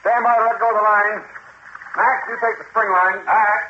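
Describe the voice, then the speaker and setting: A man playing a brisk, dutiful sailing mate in a radio drama, calling out crew commands and counts. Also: high-pitched, steady tone, close to an everyday voice. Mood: brisk, commanding. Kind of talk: 1950s radio drama acting. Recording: muffled old radio broadcast, noisy.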